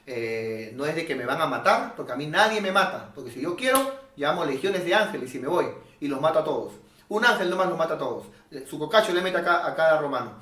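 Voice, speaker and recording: A man voicing Jesus as a calm, matter-of-fact teacher talking plainly to his disciples. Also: fairly high pitch, fast talker, recorded from a distance. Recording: echoey room, voice off-mic.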